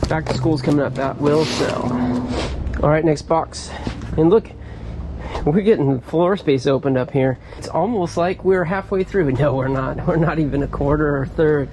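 An upbeat, chatty man talks to viewers while digging through boxes outdoors, bursting into excited exclamations at his finds. His voice sits a little high for a man. Clear outdoor noise and the hum of passing vehicles run behind him. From California, USA. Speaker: storage locker reseller vlogger. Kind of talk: casual chat to camera while sorting boxes. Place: outdoors at a storage unit row. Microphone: head-mounted camera.

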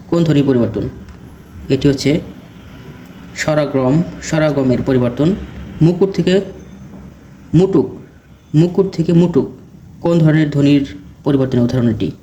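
A man with a somewhat high, mellow voice works through exam questions one after another, stating each question and then its answer. His delivery is steady and methodical, like a teacher drilling students. A faint hiss of background noise sits under the recording. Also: lo-fi sound. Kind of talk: reading quiz questions and answers.

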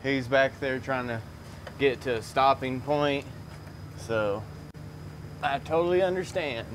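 A man's voice: mid-range voice, takes it slowly, fairly bright tone. A man talking casually and chattily to viewers as a mechanic while he works in a garage. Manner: folksy, chatty. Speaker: transmission mechanic presenting a video. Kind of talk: casual hands-on shop chat to viewers. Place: auto repair garage, under a lifted truck. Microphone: camera a few meters away. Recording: clear garage noise behind.

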